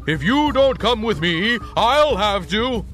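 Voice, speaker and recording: A woman voicing a proud male warrior from heaven who speaks firmly and loudly. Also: mid-range voice, lively intonation, takes it slowly, over music. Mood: commanding.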